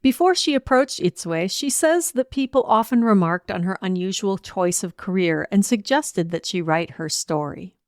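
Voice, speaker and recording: A woman host reading scripted podcast narration in a smooth, even delivery. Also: mid-range voice, normal speed, hardly any pauses, no room sound, studio quality.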